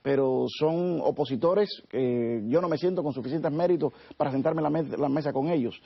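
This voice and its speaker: A man's voice: fairly high pitch, normal speed, vocal fry, breathy edge, dull audio. A middle-aged man from Cuba, speaking earnestly as a lawyer guest on a TV interview. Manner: earnest, with frequent "eh" fillers and restarts. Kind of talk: TV studio interview.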